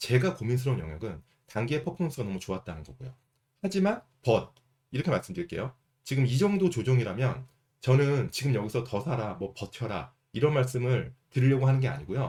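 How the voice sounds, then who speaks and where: Fairly quick and somewhat breathy, this man has a dark, mellow tone. His intonation is lively. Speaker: stock market commentator. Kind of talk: market commentary monologue. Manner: fast talker by habit.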